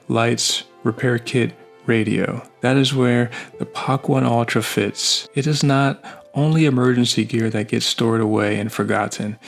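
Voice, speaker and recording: A man delivers scripted review narration at a medium pitch. His phrasing is short and measured. Music plays behind the voice. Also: vocal fry. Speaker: product reviewer.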